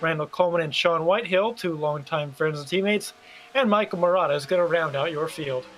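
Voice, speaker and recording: A man's voice: fairly high pitch, a little fast, a bit bright. A man co-commentating an online stock car race broadcast in a sportscaster's delivery. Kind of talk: sports broadcast commentary, reading a starting lineup.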